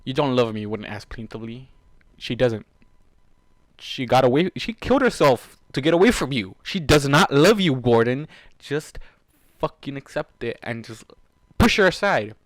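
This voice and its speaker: A man's voice: medium pitch, very animated, moderate pace, dry recording, rough recording. A man reading fan fiction aloud, moving between story narration and casual, exasperated, swearing commentary. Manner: profane, exasperated, emotionally invested asides. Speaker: fan fiction reader and reactor.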